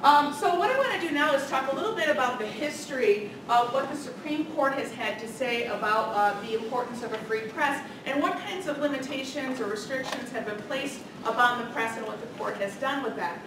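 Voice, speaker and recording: A middle-aged woman giving a public lecture as a political science professor, loud, energetic and chatty. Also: sits high, fairly quick, hardly any pauses. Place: large carpeted meeting room, indoors. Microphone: room camera from the back. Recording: echoey room from far off, noisy.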